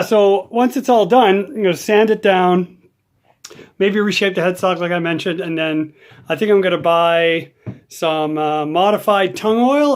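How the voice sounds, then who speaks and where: A man talking casually in a relaxed, rambling way as he works on a guitar in his home workshop vlog. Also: sits high. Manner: rambling, easygoing, lots of fillers. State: hiccups. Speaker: guitar hobbyist vlogger.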